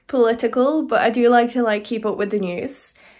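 Against a quiet background, a woman speaks with a British accent. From UK. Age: 20s. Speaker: vlogger. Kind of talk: casual vlog chat. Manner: chatty, hesitant with fillers. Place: kitchen. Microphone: phone near.

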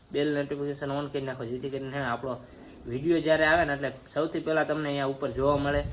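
This man's voice is fairly high in pitch. His delivery stays monotone and flat. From Gujarat, Surendranagar district. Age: young. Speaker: vlogger. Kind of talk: casual vlog Q&A. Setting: outdoors in front of his house.

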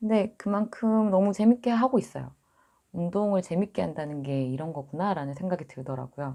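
Against a quiet background, a woman with a medium pitch and a dark, mellow tone speaks at a fairly quick pace with lively intonation. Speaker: YouTube vlogger. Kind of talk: casual vlog talk to camera. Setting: cold room at home. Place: home room. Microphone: lapel.

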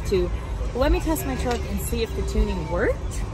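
The pace is moderate and the sound is dry with no echo. Loud background noise runs underneath. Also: woman. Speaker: vlogger. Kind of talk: casual vlog chat. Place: street. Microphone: phone near.

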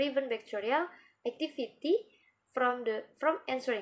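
High-pitched woman's voice with an Indonesian accent and lively intonation. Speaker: university student. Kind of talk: class presentation. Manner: halting, many fillers. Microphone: webcam.

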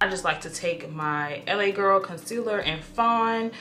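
A woman's normal speaking voice, fairly even in intonation, over light background noise. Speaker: beauty vlogger. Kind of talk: casual makeup tutorial chat. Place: home room.

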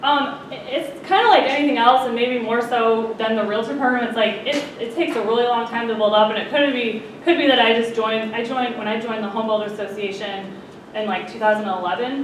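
Speaking at a fairly quick pace, a woman with a fairly high voice and ordinary pitch variation is heard with audible room echo and light background noise. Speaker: sales business owner. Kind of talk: conference talk. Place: hall. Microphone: camera far.

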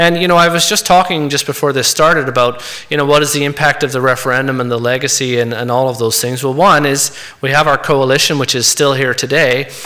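The man's intonation is fairly even. He talks very fast. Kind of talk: public speech. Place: hall.

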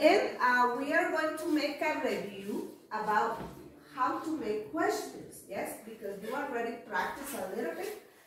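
In a room with strong echo and light background noise, a woman talks fairly slowly at a high pitch with very wide pitch swings. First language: Spanish. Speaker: English teacher. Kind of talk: classroom lesson. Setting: classroom with students. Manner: halting. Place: classroom. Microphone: camera far.

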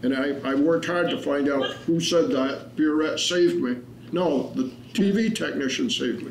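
Audible room echo and light background noise surround a man who talks at a moderate pace with lively intonation. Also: fairly high pitch for a man. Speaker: school board member. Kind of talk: board meeting discussion. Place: hall.

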